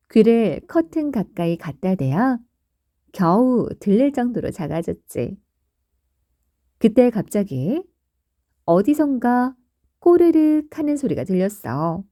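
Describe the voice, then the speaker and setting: A woman narrating a bedtime story in a soft, soothing, lilting way. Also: medium pitch, no echo, clean studio sound.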